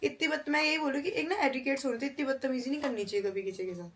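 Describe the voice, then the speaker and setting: Young woman vlogger, high-pitched, chatty and indignant. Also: rapid-fire, fairly bright tone. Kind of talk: casual vlog chat.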